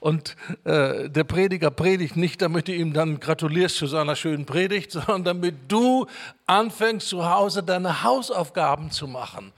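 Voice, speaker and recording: A man preaching a sermon, emphatic, repeating key words and reading scripture slowly. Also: a little high.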